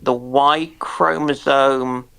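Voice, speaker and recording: A man with a creaky, gravelly voice and a slow delivery. He explains in a casual way, pausing often and carefully hunting for the right word. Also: mid-range voice, steady tone, a bit bright. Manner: halting, searching for words, careful.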